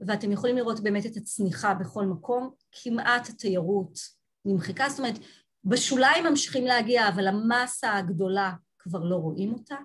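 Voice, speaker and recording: A woman giving an online lecture from slides on a video call, talking thoughtfully with frequent restarts and pauses. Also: mid-range voice, breathy edge. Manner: thoughtful, halting, many restarts.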